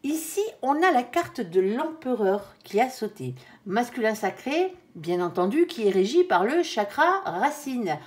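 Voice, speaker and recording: A woman's voice: fairly high pitch, sing-song, unhurried, a little mellow. A tired woman giving a casual tarot reading, chatty with many fillers and some stumbling. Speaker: tarot reader.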